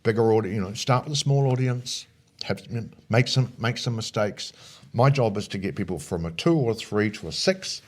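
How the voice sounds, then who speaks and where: Man, lowish voice, speaking coach, emphatic explainer, conversational interview style. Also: expressive, moderate pace. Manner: emphatic, punctuates points with short check questions.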